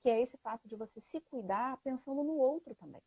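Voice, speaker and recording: A woman's voice: sits high, animated, a little fast, warm tone, slightly rough, no room sound. A woman host, chatting and telling stories on a live video call. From Brazil. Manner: chatty, storytelling, laughs often. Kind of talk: casual live-stream conversation. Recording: dry, muffled live-stream audio.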